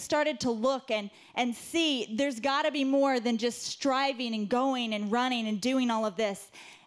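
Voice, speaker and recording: A woman with a high pitch at a moderate pace. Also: quiet background. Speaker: missionary and motivational speaker; motivational speaker. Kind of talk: onstage interview, testimony. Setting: stage with audience. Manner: enthusiastic. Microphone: handheld.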